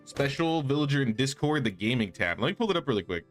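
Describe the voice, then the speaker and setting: A man streams a game and keeps up an easy, chatty patter, reading out his viewers' messages and replying to them. His voice sits at a middling pitch. Quiet game music hums underneath. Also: big pitch swings, fast. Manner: chatty, reads chat and answers viewers. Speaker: gaming streamer. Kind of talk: casual live-stream chat while playing.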